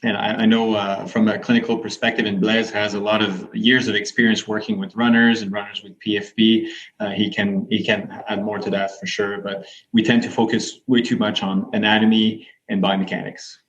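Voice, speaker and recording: Man explaining clearly over dull audio. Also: lowish voice, level tone, a bit bright. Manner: fluent explaining, measured. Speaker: physiotherapist researcher guest. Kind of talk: podcast interview.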